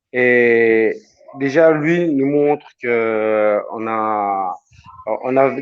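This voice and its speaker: Pausing long and often, a man with a strong Liège accent talks at medium pitch with ordinary pitch variation. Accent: strong Liège Belgian. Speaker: listener calling in. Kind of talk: casual chat.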